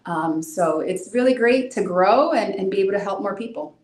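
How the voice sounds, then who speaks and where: A Brazilian-born woman in her thirties, whose first language is Portuguese, answers interview questions as an immigration attorney, earnest and explanatory, often repeating a word when starting a phrase. Her mid-range voice is a little mellow, with lively intonation and normal speed, in a roomy-sounding space.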